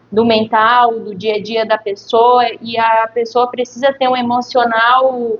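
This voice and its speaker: A woman from southern Brazil, a nurse, talking about her family in a relaxed interview, pausing often and adding tag questions. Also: a little high. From Criciúma, Santa Catarina, Brazil. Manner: reflective, hesitant, frequent tag questions. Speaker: guest, nurse. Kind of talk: casual interview chat. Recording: dull lo-fi audio with faint noise.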